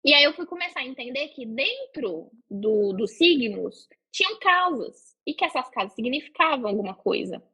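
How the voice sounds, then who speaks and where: A woman's voice: high voice, moderate pace, hardly any pauses, slightly rough. A woman, a podcast guest telling stories casually and animatedly. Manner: animated, acts out quotes with gasps and laughs. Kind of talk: casual storytelling.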